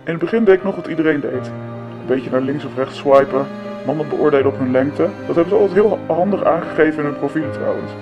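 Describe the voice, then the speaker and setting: A woman in her twenties playing an anonymous young woman who hesitantly confesses, her voice disguised by shifting it down deep. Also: quick pace, dull audio. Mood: confessional. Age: 20s. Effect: voice disguised, pitched down deep. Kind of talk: confessional documentary interview. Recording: music playing underneath. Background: music.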